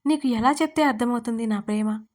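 A woman's voice: fairly high pitch, a little fast, a little mellow, lightly acted. A woman voicing an obsessive young man who pushes his unwanted love, mixing in English phrases. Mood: pushy. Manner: pleading then demanding, mixes English phrases. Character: obsessive young man, pushy police employee.

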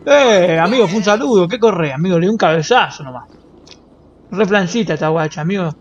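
A man's voice: high voice, expressive, brisk, muffled recording. A young man with a Rioplatense Spanish accent, streaming a roleplay game in a brash, joking, swear-heavy manner. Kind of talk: casual gameplay roleplay stream.

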